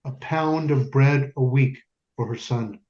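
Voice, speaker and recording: An actor playing a stern yet tender, grieving Jewish father in a wartime ghetto, speaking in solemn, deliberate stage monologue with weighty pauses. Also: medium pitch, a little mellow, lightly acted. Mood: grim, resolute. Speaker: stage actor in community theater. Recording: dull lo-fi recording, music underneath.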